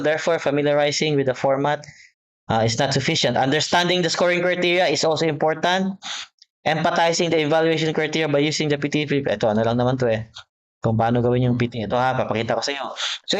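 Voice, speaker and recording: A man giving a private online exam-prep lesson, explaining patiently, repeating each point and checking in with his student. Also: a little high. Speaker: test prep tutor. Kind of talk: private online tutoring session.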